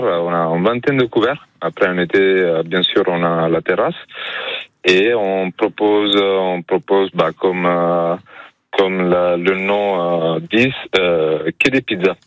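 Hesitant slow-talking pizzeria owner man. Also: low-pitched, no room sound, highs cut off. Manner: hesitant, many fillers and restarts.

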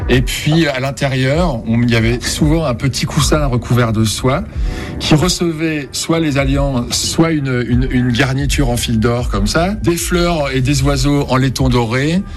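A man's voice: mid-range voice, a little slow, soft background music. A man who runs an antiques shop, explaining pieces with enthusiasm in a radio chat.

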